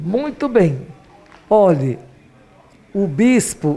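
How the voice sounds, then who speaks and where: A man speaks at a high pitch and a very slow pace. His intonation is lively, and there is noticeable background noise. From Brazil, southern Maranhão. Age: 60s. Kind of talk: interview. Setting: bishop's residence.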